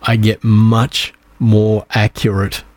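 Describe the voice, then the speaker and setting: Relaxed Australian man, low voice. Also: slow, dry recording. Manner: relaxed and rambling, with frequent fillers and restarts. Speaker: podcast host. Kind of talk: casual solo podcast talk.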